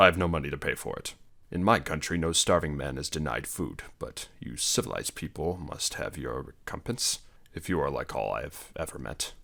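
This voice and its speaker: Growling in a put-on character voice, a man speaks at a fairly quick pace with a very deep, low pitch. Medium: read story. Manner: growling, harsh, blunt.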